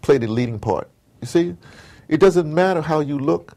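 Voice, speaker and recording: Gravelly-voiced man in digressive interview talk. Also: fairly high pitch, moderate pace. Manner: animated storyteller who repeats words and wanders off point. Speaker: interviewed audio drama producer. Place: at his home base in New York.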